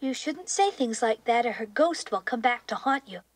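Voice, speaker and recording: A woman voicing a cocky, know-it-all schoolchild in an animated film. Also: on the high side, normal speed, dry recording. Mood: matter-of-fact.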